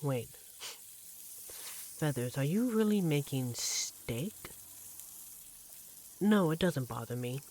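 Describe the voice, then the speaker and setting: A man playing an affectionate, devoted vampire partner in a roleplay audio drama, speaking in a tender, gently teasing, conversational way. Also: on the high side, animated, slow pace, pauses often. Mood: surprised, curious. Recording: clearly audible background noise, sizzling kitchen effects.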